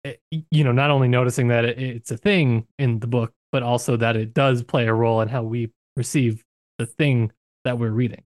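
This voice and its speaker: A man's voice: mid-range voice, fairly even intonation, fairly quick, darkish tone, dry recording, studio quality. A man co-hosting a book discussion podcast, talking in a thoughtful, searching way with frequent restarts. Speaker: podcast co-host.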